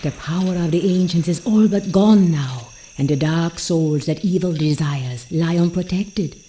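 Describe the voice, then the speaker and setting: An actress voicing a commanding, seductive voodoo priestess in a video game, a mysterious mentor with a portentous, folksy way of talking. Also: female voice, fairly low pitch, unhurried, dark tone, a little hiss or hum, natural voice. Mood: grave, urgent. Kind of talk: dramatic game cutscene acting.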